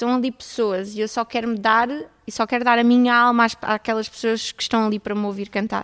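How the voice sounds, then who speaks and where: A woman speaks at a high pitch and a fairly quick pace. Her intonation is fairly even, and the sound is dry and close with no echo. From Portugal, Coimbra. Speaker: singer. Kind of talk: interview.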